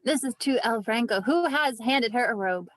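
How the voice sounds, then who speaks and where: Script narrator: female, slightly high register, reads scene descriptions, very dry recording. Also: expressive, moderate pace, a bit bright, no echo. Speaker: stage-direction narrator. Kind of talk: scripted narration at a table read.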